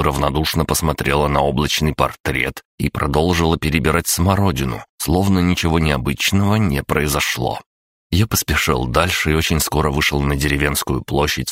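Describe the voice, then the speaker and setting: A man with an extremely deep voice narrates a first-person audiobook in a dry, wry tone. The recording is close and dry, with no room sound. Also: moderate pace, a bit bright, dry recording.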